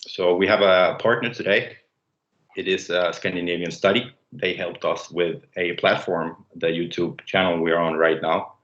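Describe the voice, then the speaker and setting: A man in his late twenties from Denmark, opening and hosting a student livestream in a casual, halting way with many fillers. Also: deep voice, fairly even intonation, fairly bright tone. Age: late 20s. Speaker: student presenter. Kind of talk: livestream presentation. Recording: dull roomy sound.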